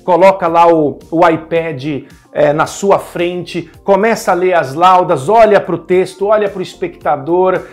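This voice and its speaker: A man with a Brazilian Portuguese accent giving direct, encouraging tips on speaking as a media columnist; his voice is not deep. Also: a little slow, hardly any pauses, faint music behind. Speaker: media columnist and communication coach. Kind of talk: instructional talk to camera.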